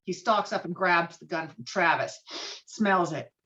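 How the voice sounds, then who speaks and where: A woman's voice: on the low side, a little slow, sharp tone, highs cut off, a little hiss or hum. A woman narrating screenplay stage directions with a dramatic, emphatic read on a video call.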